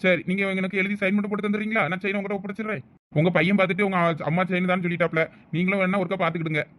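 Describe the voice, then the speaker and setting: A man plays a chatty middle-aged police officer in a cartoon, with a Thoothukudi Tamil accent. He speaks very fast and in a high voice, and he explains everything in long stretches. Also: little pitch movement, fairly bright tone. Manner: rapid, chatty, explaining at length. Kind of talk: cartoon voice acting.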